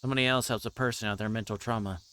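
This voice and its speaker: A man livestreaming a visual novel, reading story text aloud and adding halting, informal asides. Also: fairly low pitch, fairly even intonation, pushed and bright. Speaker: streamer playing a visual novel. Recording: clear background noise, insect-like ambience.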